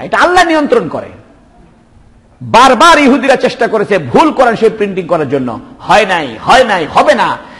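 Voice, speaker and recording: A male preacher delivers a fervent sermon. His voice sits high and leaps through a lively range as he fires rhetorical questions and exclamations of praise. A long reverb rings around him as if in a hall. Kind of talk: Bengali waz sermon.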